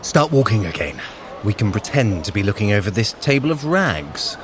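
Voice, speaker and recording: A man's voice: fairly low pitch, sing-song, normal speed. A man playing a sly, impatient male trickster god in an audio adventure, giving clipped commands and sardonic remarks. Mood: commanding. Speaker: workout guide in audio adventure. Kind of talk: scripted audio drama with exercise cues. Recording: clear outdoor city ambience noise. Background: outdoor street sounds.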